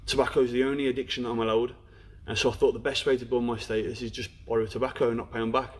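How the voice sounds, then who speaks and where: A man's voice: medium pitch, little pitch movement, very fast, husky. A young man with a Black Country accent, frankly telling his life story as an interview guest. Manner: frank, storytelling, peppered with "you know". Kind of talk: candid personal story in a podcast interview.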